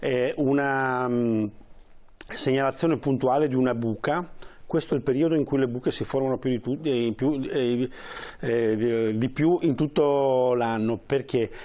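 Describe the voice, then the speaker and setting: The background is quiet as a man speaks at a fairly slow pace. His intonation stays fairly even. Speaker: deputy mayor answering viewers. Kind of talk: live TV Q&A answering questions. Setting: studio live broadcast. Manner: hesitant, repeats words. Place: studio. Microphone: lapel.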